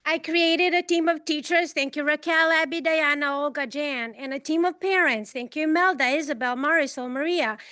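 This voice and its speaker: A woman's voice: high-pitched, moderate pace, few pauses, sharp tone, no room sound, clean studio sound. A middle-aged woman with a Serbian accent, a teacher giving a prepared speech at a public meeting.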